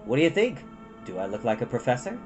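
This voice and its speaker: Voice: mid-range voice, sing-song, fast, music in the background, natural voice. A storyteller voicing an easygoing, kindly father in a children's story. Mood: breezy. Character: easygoing, kindly father of two young girls.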